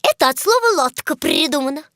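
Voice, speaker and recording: A female expert on heraldry for a children's educational cartoon. Her voice is high and very lively in melody, with a precise, didactic manner that treats facts as everything. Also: brisk, dry recording, clean studio sound. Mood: brisk, didactic.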